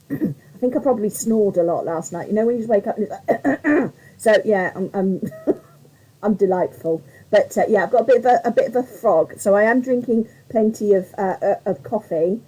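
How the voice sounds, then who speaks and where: A woman with a slightly croaky voice hosting a live craft tutorial, chatting in a rambling way and greeting viewers by name. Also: mid-range voice, moderate pace, mellow, slight background noise, low-quality recording.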